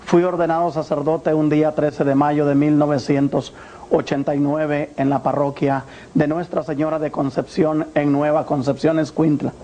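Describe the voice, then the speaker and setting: Earnest Guatemalan man, mellow voice. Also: a little high, flat delivery, highs cut off. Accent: Guatemalan Spanish. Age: 40s. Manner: earnest, measured, preacher-like address. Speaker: former priest giving testimony. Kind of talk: religious testimony.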